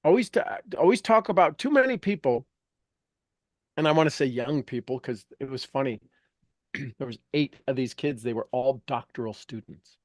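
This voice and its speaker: A man with a mid-range, lively voice hosts an informal motivational group coaching call at a moderate pace. He is emphatic and likes repeating phrases for effect. The studio recording is clean with no room sound.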